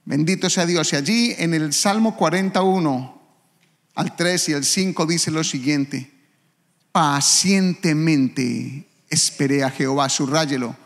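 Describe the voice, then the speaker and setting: A man's voice: fairly high pitch, normal speed, in a large hall. A man pastor preaching a sermon, dramatically acting out the voices of people in trouble. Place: church sanctuary.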